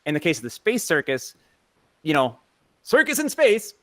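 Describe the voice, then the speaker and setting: A man giving an informal panel presentation, halting and often rephrasing as he thinks aloud. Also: a little high, huge pitch swings, sharp tone, dry recording. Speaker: panelist and podcast creator.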